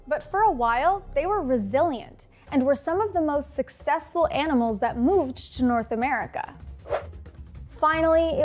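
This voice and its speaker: A woman with a high-pitched voice narrates a scripted nature documentary. She presents as the host of an animal show, and music plays softly behind her.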